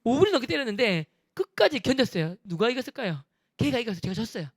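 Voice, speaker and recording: A man with a Busan accent, a church deacon, telling his testimony with humor and punchy, rough-spoken quotes. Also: very high-pitched, quick pace, no room sound, studio quality. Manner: lively, humorous storytelling with rough dialect quotes. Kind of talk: animated testimony with acted quotes.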